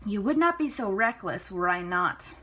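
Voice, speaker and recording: A woman's voice: mid-range voice, expressive, normal speed, fairly bright tone. A woman voicing a stern, disapproving gray-haired ghost father in a storybook, curt and dismissive. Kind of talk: storybook character reading.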